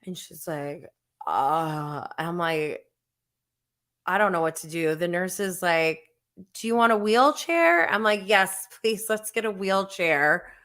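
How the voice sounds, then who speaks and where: A woman in her forties, vlogging to camera as she tells a story in a casual, animated and self-deprecating way, with frequent laughs. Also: on the low side, slow pace. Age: 40s.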